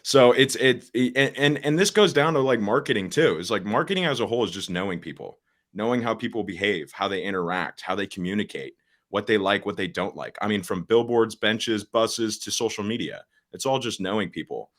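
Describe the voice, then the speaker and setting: A teenage man with a very low, deep voice. He speaks plainly and gets straight to the point, often restarting his sentences and filling pauses with "um" as he explains in a casual podcast chat. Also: a bit bright. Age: teens. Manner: straightforward, with frequent restarts and fillers. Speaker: guest, social media agency founder.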